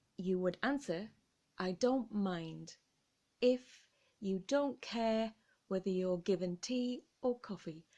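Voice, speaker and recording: In an English accent, the speaker talks at a very slow pace with a dark, mellow tone and ordinary pitch variation, in a very clean recording with a silent background. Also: woman. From England. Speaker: English teacher, vocal coach. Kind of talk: educational explainer to camera. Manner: slow, clear.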